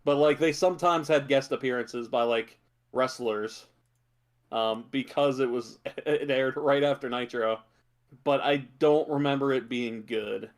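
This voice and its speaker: A man's voice: mid-range voice, a little slow. A man co-hosting a podcast, chatting casually about films and shows, thinking aloud as he goes. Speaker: podcast co-host.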